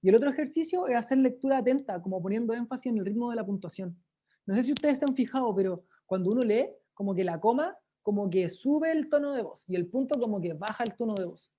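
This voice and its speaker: Speaking fast and animatedly, a woman with a Chilean accent presents an online speaking workshop, showing exercises and regularly asking how listeners are doing. Her voice is a little high and warm, with slight background noise. The video call sound is dull and lo-fi.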